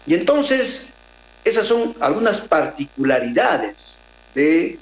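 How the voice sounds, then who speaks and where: A man from southern Peru with a Peruvian Spanish accent, a radio guest giving measured political analysis, pausing often with fillers and restarts over a remote call. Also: on the high side, sing-song, a little hiss or hum. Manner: measured, hesitant, many filler pauses and restarts. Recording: roomy echo.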